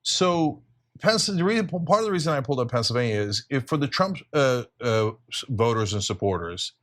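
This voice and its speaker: Animated middle-aged male host. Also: medium pitch, fairly quick. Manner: emphatic, explains to viewers. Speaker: show host. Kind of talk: live election night commentary.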